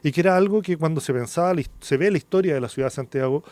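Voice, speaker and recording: A Chilean man talks quickly in a fairly high, mellow voice. He explains like an academic on a radio interview, often tagging statements with a quick check for agreement. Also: dry recording. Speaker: academic guest, architecture vice dean.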